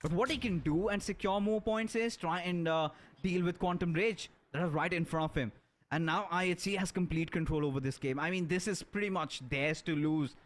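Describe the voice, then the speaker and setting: A man giving excited play-by-play esports commentary as a caster, with dramatic, emphatic delivery. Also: high-pitched, a little fast. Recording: clear background noise, game gunfire. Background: video game gunfire.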